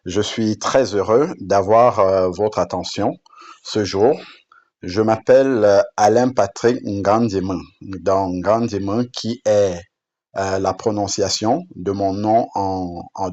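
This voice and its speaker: Low male voice, hesitant and halting, full of fillers and restarts, unscripted demo talk, muffled lo-fi recording. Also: a little mellow. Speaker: app creator presenting his project.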